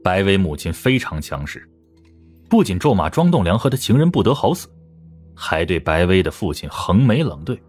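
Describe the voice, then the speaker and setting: A man's voice: deep voice, sing-song, normal speed, breathy edge, soft background music. A man narrating a crime audiobook in a scripted, dramatic storytelling style.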